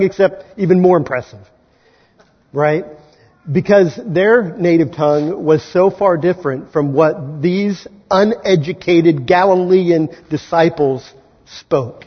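A male pastor from Kansas preaching an Easter sermon in a conversational way, often checking in with listeners with a quick "right?". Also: sits high, long reverb tail, muffled recording. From Kansas, USA. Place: large church sanctuary.

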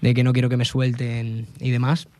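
A man with a Spanish accent chatting casually as a radio music host, excitable, often repeating himself and adding tag questions. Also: mid-range voice, normal speed, dry recording.

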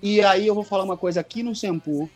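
Husky, higher-pitched Rio man chatting emphatically. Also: quick pace, darkish tone, dry recording, soft background music. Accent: Rio de Janeiro Brazilian Portuguese. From Rio de Janeiro, Brazil. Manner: emphatic storyteller, repeats phrases and quotes others. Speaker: podcast guest, fan dubbing director and audio mixer. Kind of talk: casual podcast conversation.

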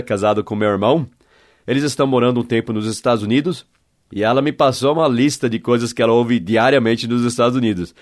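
A man hosting a casual podcast lesson, explaining slowly and spelling words letter by letter. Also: medium pitch. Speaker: English teacher and podcast host.

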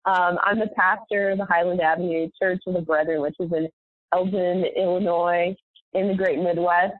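American woman, lowish voice with creaky vocal fry, slightly stuffy from a cold, on a dull lo-fi call. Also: fairly even intonation, normal speed, no room sound. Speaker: pastor, panel guest. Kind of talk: casual self-introduction on a group call. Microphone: remote call, close and dry.

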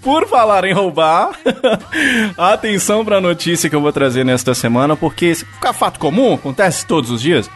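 A playful Brazilian man co-hosts a podcast, slangy and quick to joke. His voice sits a little high and bounces around lively. Faint music runs beneath him. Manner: playful, slangy, news-reading asides. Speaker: podcast co-host. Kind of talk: casual podcast banter.

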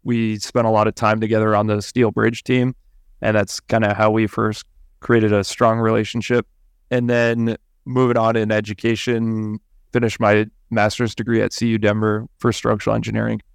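Low gravelly man from Colorado. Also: level tone, normal speed, dry recording, clean studio sound. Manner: casual, with fillers like "kinda". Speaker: engineering firm CEO, guest. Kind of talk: interview answers.

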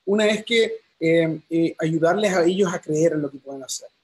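A man with a high, husky voice conducts an interview, asking questions with many fillers. He sounds encouraging and friendly. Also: normal speed.

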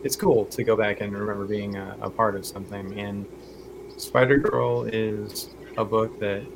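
A podcast guest, a man with a low, gravelly voice, talks in an earnest, rambling way. Clear noise runs under the recording. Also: steady tone, moderate pace. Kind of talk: casual chat. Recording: noisy recording.

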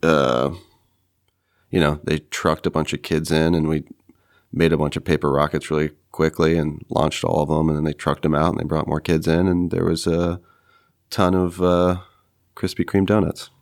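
A man co-hosting a podcast in casual chat, with a raspy, wheezy smoker's rasp from a night of heavy smoking and a rambling, halting way of explaining. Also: a bass voice, little pitch movement. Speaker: podcast co-host.

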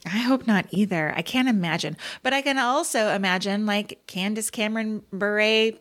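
A woman co-hosting a casual podcast, chatty and expressive, often tossing out questions. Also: mid-range voice, normal speed. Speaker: podcast co-host. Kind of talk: casual chat.

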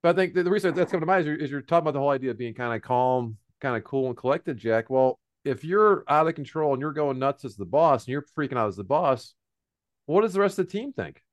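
A man's voice: mid-range voice, animated, fast, no echo, clean studio sound. A man co-hosting a business talk show, rambling through stories and advice in a casual, conversational way. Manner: rambling, storytelling, often repeats a cohost's name. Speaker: business podcast co-host.

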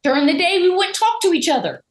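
High, lively woman in an echoey room. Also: fast. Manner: animated storyteller, acts out quoted dialogue. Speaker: eliminated contestant guest. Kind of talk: casual exit interview.

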